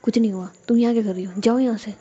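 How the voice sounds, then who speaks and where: A woman voicing an angry young woman who curtly brushes off her friend in quick, dismissive lines. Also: on the high side, fairly even intonation, dark tone, husky, lo-fi sound. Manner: curt, fast, dismissive.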